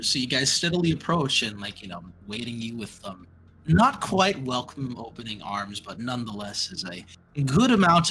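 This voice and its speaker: A man narrating as game master, halting and restarting often with many fillers. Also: mid-range voice, bright, forceful tone, slight background noise, rough recording.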